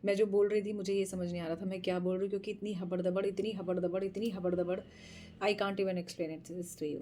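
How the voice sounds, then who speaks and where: A woman vlogger casually recounting a travel adventure, animated and laughing often, slipping English phrases into her talk. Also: mid-range voice, a little fast, slight background noise. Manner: mixes English phrases into speech. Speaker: tarot channel host.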